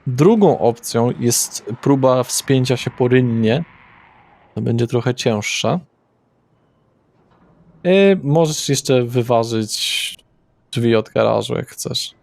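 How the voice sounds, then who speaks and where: A man's voice: mid-range voice, takes it slowly, gravelly, long pauses, darkish tone. Man running a tabletop game. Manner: describes scenes loosely, with fillers and self-corrections. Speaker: game master.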